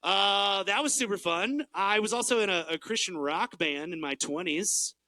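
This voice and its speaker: Bright high-voiced joking male host. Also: expressive, moderate pace, no echo. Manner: upbeat, joking. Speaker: podcast co-host. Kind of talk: live podcast chat. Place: live show venue.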